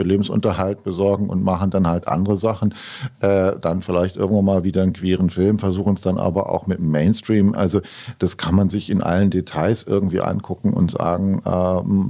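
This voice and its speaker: A man's voice: low-pitched, creaky, warm tone. A man in his sixties, a film distributor answering interview questions bluntly, with many hesitations.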